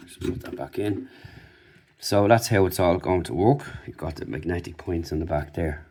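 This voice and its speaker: A man's voice: deep voice, normal speed, a little mellow, a little hiss or hum. A man giving a casual, off-the-cuff product review, informally talking through what he is showing. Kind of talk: casual unboxing and review commentary.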